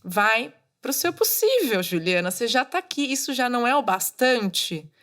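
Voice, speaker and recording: A woman's voice: fairly high pitch, sing-song, moderate pace, a bit bright. A woman in her thirties hosting a solo podcast, talking casually and coaching her listeners directly. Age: 30s. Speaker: podcast host. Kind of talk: solo podcast monologue, motivational.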